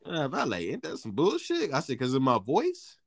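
A young man with a deep voice rambles through a casual chat, slangy and easygoing, stumbling over restarts and breaking into quick laughs. His voice sounds close and dry, with next to no room around it. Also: wildly swooping pitch, breathy edge, no room sound. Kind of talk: casual chat between friends.

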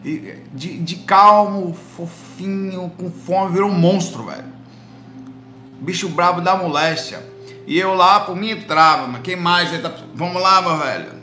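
A man with a Pernambuco accent from northeast Brazil, telling stories to camera in animated, slangy bursts. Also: high-pitched, moderate pace, roomy sound, faint music behind. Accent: Pernambuco Portuguese. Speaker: spiritual vlogger answering viewers. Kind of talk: casual talk to camera. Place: indoor room with a light behind him.

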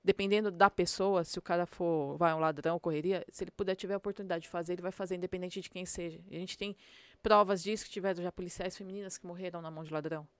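Blunt woman sergeant with a São Paulo accent; smooth, dry voice, slangy and direct. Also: lowish voice, fairly even intonation, quick pace, no room sound. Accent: São Paulo Portuguese. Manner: blunt, slangy, acts out street commands. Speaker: police sergeant guest. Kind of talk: casual podcast interview.

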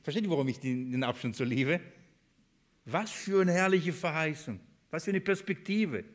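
A man preaching a sermon to a congregation. He reads scripture aloud, slows down to stress key words and asks the room rhetorical questions. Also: fairly high pitch, expressive.

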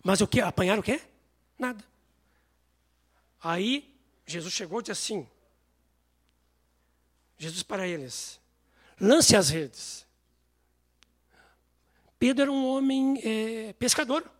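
A man preaching a sermon, telling stories with animated voices. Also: high voice, unhurried, long pauses. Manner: animated storytelling, acts out voices.

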